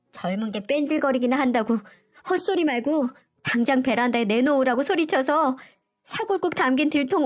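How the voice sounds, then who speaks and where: A woman reading a story aloud, voicing a furious young wife who shouts in a shrill, tearful voice.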